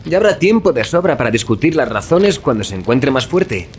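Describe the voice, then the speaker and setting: Blunt, animated young student voiced by a man. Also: medium pitch, fairly quick, slight background noise, natural voice. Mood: puzzled, firm. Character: blunt, hearty young male student friend. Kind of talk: audio drama acting.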